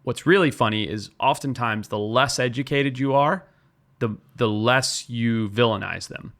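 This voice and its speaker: A man's voice: mid-range voice, a little slow, fairly bright tone. A man from Zimbabwe, a wildlife biologist guest, explaining and telling stories in an earnest podcast talk.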